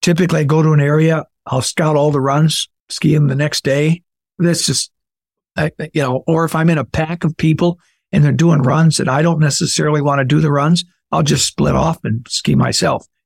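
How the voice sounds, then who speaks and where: A man speaks in a flat monotone, somewhat breathy, at very even loudness. The sound is dry and close, with no echo. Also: fairly high pitch for a man. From US Midwest, small town in Indiana. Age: 70s. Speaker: investment manager. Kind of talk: interview conversation. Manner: halting, with repetitions and fillers.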